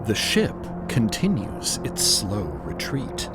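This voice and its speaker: A man narrating a scripted audio drama in a dramatic, deliberate manner. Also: on the low side, huge pitch swings, over loud music.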